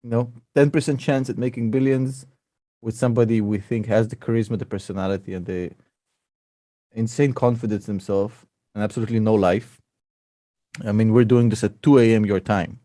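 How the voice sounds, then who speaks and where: A man's voice: lowish voice, steady tone, fairly quick, mellow, no room sound. A man chatting casually as an investor, joking, teasing and swearing freely. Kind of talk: casual chat.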